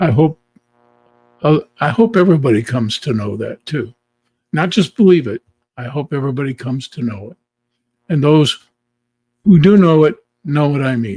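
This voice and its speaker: A man with a fairly high, somewhat breathy voice speaks at a moderate pace with lively intonation, big swings in loudness and long, frequent pauses. The sound is dry and close with no echo. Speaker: live show host, psychologist author. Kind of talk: live stream Q&A chat. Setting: live online studio. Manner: halting, many fillers.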